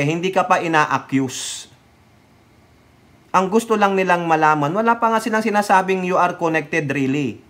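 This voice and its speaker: A man's voice: high-pitched, a bit bright. A man from the Philippines giving heated, sarcastic political commentary, scolding his subject directly and talking to his viewers.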